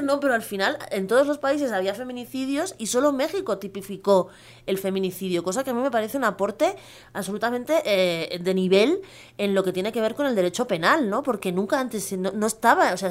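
A middle-aged lawyer and activist from Spain, speaking with a Castilian Spanish accent at medium pitch, appears as a guest on a live radio interview. She talks earnestly and often adds tag questions and fillers.

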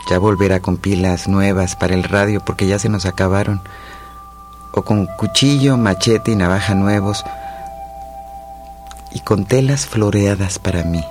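A woman's voice: very deep voice, measured pace, long pauses, over music. An actress playing a torn, uncertain rural Mexican woman in a radio play, confiding and questioning herself. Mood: resigned, fond. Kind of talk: radio theatre monologue.

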